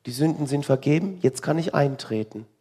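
A man's voice: on the high side, fairly quick, dark tone, husky. A man preaching a sermon in a conversational, wry way, asking the listeners rhetorical questions.

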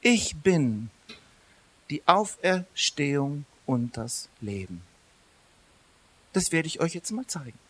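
Lively, conversational male preacher. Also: a little high, slow pace, long pauses, breathy edge. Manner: lively, conversational, swings between loud emphasis and quiet asides. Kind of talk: sermon.

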